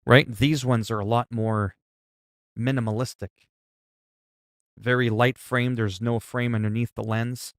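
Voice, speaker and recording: A man's voice: medium pitch, level tone, unhurried, pauses often, no echo, studio quality. A man in his forties chatting casually and profanely with stream viewers, rambling and explaining things with everyday examples. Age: 40s. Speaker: livestreamer.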